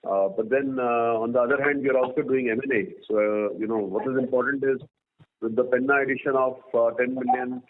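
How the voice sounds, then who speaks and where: A man with an Indian accent speaking as a company executive, answering questions on an earnings call in a halting way with pauses mid-sentence. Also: medium pitch, fairly even intonation. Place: conference call line. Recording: noisy phone line with clicks.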